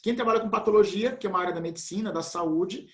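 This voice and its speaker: A man's voice: sits high, fast talker, fairly bright tone. A man teaching a biology class in a casual, slangy way. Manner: casual, slangy, says "velho" and "pessoal". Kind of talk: remote class, chatty explanation. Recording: echoey room.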